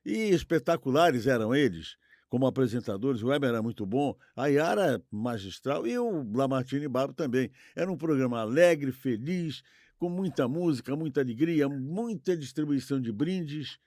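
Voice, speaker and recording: A man's voice: medium pitch, animated, moderate pace, a little mellow, dry recording, clean studio sound. An older man, chatting casually as a co-host and reminiscing in an effusive, exclamatory way. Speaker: podcast co-host.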